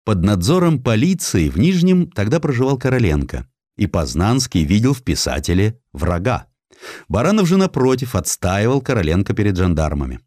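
A male narrator reads a dramatized history audiobook in a theatrical way. His voice is fairly low with animated, wide-ranging intonation, captured very dry and close. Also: moderate pace, dry recording. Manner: expressive, theatrical.

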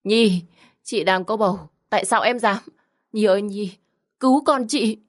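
Hoarse, spiteful pregnant young woman for a storybook read, put on by a woman narrator; gasping, pleading delivery. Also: mid-range voice, moderate pace, voice pushed up, lightly acted.

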